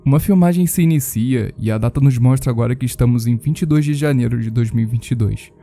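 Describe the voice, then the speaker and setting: Dark-voiced Brazilian man narrating horror commentary. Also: medium pitch, fast talker, creaky. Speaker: video narrator. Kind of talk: scripted horror video commentary.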